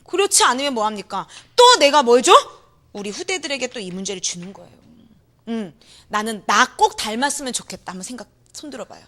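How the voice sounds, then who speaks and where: A young adult woman preaching an energetic sermon in a church hall, acting out voices, shouting and laughing as she talks. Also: fairly high pitch, brisk. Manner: animated, acts out quoted voices, shouts and laughs.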